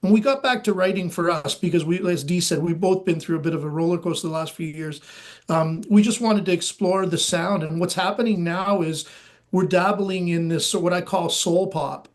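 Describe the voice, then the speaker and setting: A man's voice: high voice, moderate pace. A man with a nasal voice, talking casually and eagerly as a musician guest in an interview. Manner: rambling, eager, many fillers.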